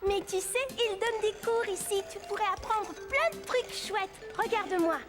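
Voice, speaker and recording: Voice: very high voice, moderate pace. A performer voicing a friendly, confident young girl in a children's cartoon, with an upbeat manner. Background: background music.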